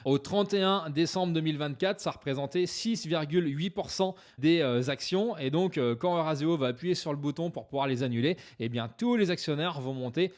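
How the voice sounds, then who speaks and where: A man's voice: fairly high pitch, normal speed, hardly any pauses. A French-speaking man explaining stock investments to viewers in a conversational way, with frequent hesitations. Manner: conversational, many "euh" fillers; jokes about his own English accent. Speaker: finance YouTuber.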